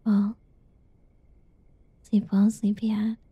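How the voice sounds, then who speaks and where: A young woman doing a whispered ASMR roleplay in a soft, teasing whisper, recorded close and dull. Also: mid-range voice, completely flat delivery, slow, husky, no echo.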